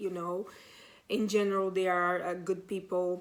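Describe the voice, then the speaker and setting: A woman with a Portuguese accent speaks at a moderate pace in a medium pitch. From Brazil, Salvador, Bahia. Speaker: ex-Jehovah's Witness YouTuber. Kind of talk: personal testimony monologue. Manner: halting, searching for words.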